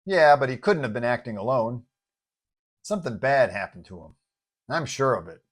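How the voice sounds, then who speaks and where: A man's voice: mid-range voice, very animated, moderate pace. Man acting a casual, earnest speedster superhero. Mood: worried. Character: earnest, breezy young male speedster superhero with conscience.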